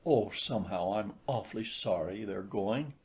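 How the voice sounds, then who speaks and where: A man voicing a sympathetic, tender-hearted wife with a soft way of speaking. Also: on the low side, normal speed, husky. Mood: wistful.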